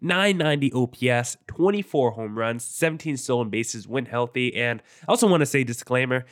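Young male podcast host, stuffy and nasal from allergies, casual and upbeat, rattles off stats, mid-pitched voice. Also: fairly quick. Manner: casual, energetic, stat-heavy rundown. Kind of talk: solo sports podcast commentary.

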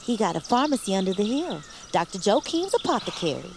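A woman's voice: medium pitch, sing-song, a little fast, gravelly, darkish tone, slight background noise. An actress playing a chatty young enslaved girl who gossips eagerly and cheekily. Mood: gossipy. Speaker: Nancy. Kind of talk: audio drama acting.

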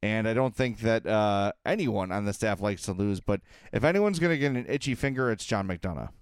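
A man's voice: lowish voice, expressive, brisk, clean tone, no echo, clean studio sound. An American man hosting a sports podcast in a conversational style.

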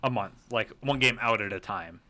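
A man's voice: fairly low pitch, moderate pace, pushed and bright. A man in a casual gaming podcast discussion, blunt and skeptical in how he talks. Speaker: podcast panelist. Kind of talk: casual panel chat about video games.

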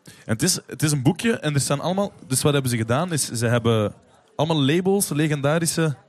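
A man's voice: on the high side, animated, fairly quick. A man with a Flemish accent hosting a casual interview about music. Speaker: interviewer and host.

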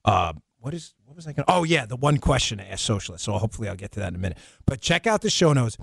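A man's voice: medium pitch, big pitch swings, racing, vocal fry, fairly bright tone, breathy edge, no echo, studio quality. A man from New York hosting a political talk show, mocking and sarcastic, with a faint New York accent. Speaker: host.

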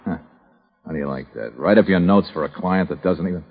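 A man's voice: deep voice, a little fast, breathy edge. An actor playing a tough, sardonic American male private detective, wisecracking and needling in an old-time radio drama. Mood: wry. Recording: dull, echoing old radio recording.

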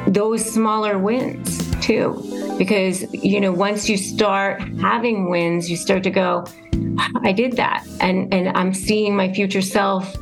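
A woman chatting casually as a podcast host, halting and emphatic as she explains things by quoting herself. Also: mid-range voice, level tone, gravelly, over music, low-quality recording. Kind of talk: casual conversational interview.

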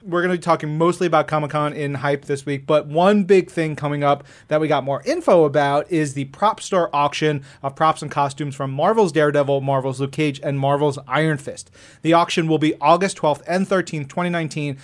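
A man co-hosting a podcast, chatting casually and briskly running through news and event schedules. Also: on the high side, fairly even intonation. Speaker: podcast co-host. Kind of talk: casual chat reading show news.

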